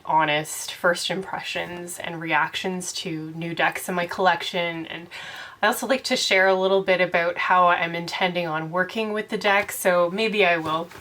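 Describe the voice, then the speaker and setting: A young woman hosts her own channel, chatting casually to camera in a lowish, slightly bright voice congested from a cold. She's chatty and rambling and laughs often.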